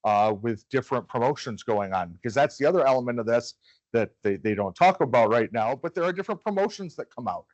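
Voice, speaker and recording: A man's voice: mid-range voice, animated, fast, no room sound, muffled recording. A man moderating a business panel at a live event, framing questions with repeated words and restarts. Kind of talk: panel discussion. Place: event room with live audience.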